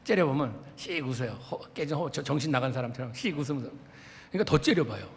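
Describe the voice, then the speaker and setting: A male pastor preaching a sermon dramatically, swinging from loud outbursts to hushed tones as he acts out prayers. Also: medium pitch, lively intonation, fast, a little hiss or hum. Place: church sanctuary. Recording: reverberant church sanctuary.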